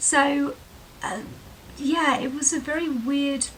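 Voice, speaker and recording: The woman's voice sits high in pitch. Audible room echo surrounds her speech. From England, Herefordshire. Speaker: druid and tarot content creator. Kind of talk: casual vlog chat. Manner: hesitant with many fillers.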